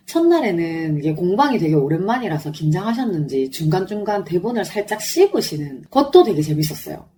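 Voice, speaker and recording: A woman podcaster chatting solo in an effusive, fannish way about a show she attended, her throat sore and strained. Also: lowish voice. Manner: effusive, animated fan talk. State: sore, strained throat after singing along. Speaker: podcast host. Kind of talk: chatty solo concert review.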